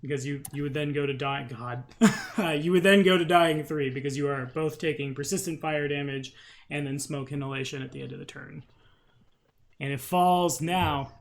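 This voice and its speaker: Male game master, slightly higher register, casual tabletop delivery, mutters rules and counts aloud. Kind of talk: running a tabletop role-playing game.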